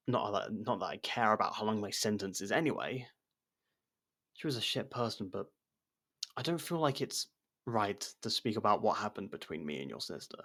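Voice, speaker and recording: A man acting a guarded, blunt convict who helps with an investigation, in a conversational ASMR roleplay with hesitant pauses. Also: on the low side. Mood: sheepish, guarded, then subdued, bitter. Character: jailed man helping an investigator, guarded, blunt, wryly supportive. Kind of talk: ASMR roleplay audio drama.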